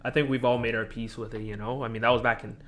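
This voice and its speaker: A young man, a podcast guest, telling a personal story in a halting, disjointed way, full of restarts. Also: mid-range voice, flat delivery, a bit bright. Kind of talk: casual conversation.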